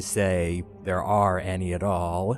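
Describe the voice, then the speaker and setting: There is music in the background as a man speaks in a dry sound with no echo. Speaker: let's play commentator. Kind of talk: gameplay commentary.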